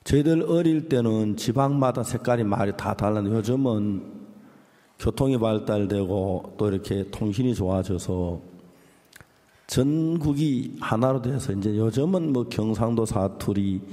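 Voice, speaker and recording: A man's voice: fairly low pitch, measured pace, warm tone, in a large hall. An older man with a Gyeongsang accent, preaching a sermon and telling folksy jokes after reading scripture. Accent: Gyeongsang Korean. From Gyeongsang region, South Korea. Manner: folksy, joking storyteller. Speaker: pastor.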